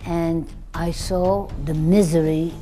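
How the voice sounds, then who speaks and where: A woman from Syria, a nun whose first language is Armenian, speaking slowly and reflectively in a documentary interview, pausing between phrases. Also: sits low, steady tone, mellow.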